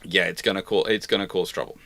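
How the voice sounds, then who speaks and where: Bright, deep-voiced man thinking aloud live. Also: steady tone, creaky, no room sound. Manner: halting, repeats and reworks phrases as he thinks aloud. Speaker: host answering viewer questions. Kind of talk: live Q&A naval history commentary.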